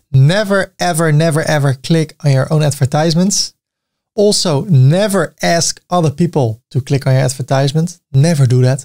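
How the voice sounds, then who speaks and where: A man's fairly high yet dark, mellow voice with a Dutch accent, ordinary pitch variation, very even loudness and a dry, close sound with no echo. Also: moderate pace. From Netherlands. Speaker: YouTube tutorial creator. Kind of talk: tutorial.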